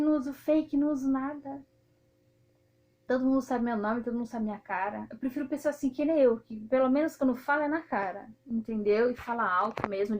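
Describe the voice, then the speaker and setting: Loud, outspoken Brazilian woman. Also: sits high, highs cut off. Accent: Brazilian Portuguese. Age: 30s. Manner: outspoken, often loud and indignant. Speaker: video host. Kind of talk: casual monologue to viewers.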